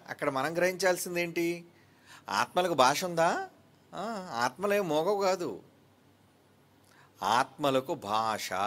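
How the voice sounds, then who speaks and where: A man preaching a sermon as a pastor. He keeps asking rhetorical questions of his listeners and swings between quick, raised lines and slow, quiet stresses. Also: medium pitch.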